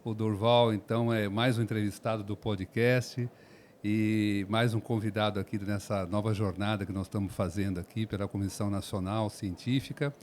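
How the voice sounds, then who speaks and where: A man from São Paulo hosting a podcast interview, friendly and quick with short acknowledgements. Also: on the low side, fairly even intonation, a little mellow, slight background noise. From São Paulo, Brazil.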